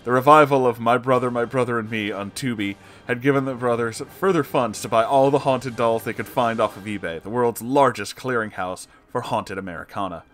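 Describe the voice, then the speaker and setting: A man's voice: mid-range voice, fairly quick, hardly any pauses, fairly bright tone. A man reading comic horror fiction aloud as a narrator, in a scripted, dramatic storytelling style.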